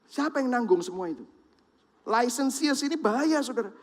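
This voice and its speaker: In a large church hall with long reverb, a pastor preaches a sermon in Indonesian with a Javanese-influenced accent. His voice is very high-pitched and moves at normal speed. He is lively, speaks straight to the congregation, and acts out the voices of people in his examples.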